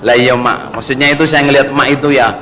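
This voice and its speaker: A man's voice: medium pitch, steady tone, quick pace, bright, forceful tone, soft background music. A man preaching a storytelling sermon, often turning to address his congregation directly. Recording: long hall reverb.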